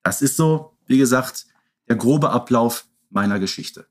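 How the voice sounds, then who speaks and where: A man's voice: medium pitch, a little slow. A man co-hosting a podcast, talking through a story outline in an informal retelling style. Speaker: podcast host.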